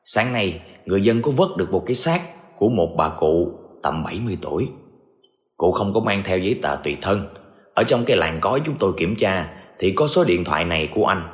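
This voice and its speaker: A man doing a deep stern police colonel. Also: sing-song. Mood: formal. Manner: formal, measured. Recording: echoey room with music behind.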